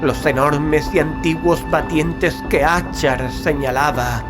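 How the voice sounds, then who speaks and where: A man from reads a gothic horror tale as narrator, solemn and theatrical, with deliberate phrasing. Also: on the high side. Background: loud dramatic music bed.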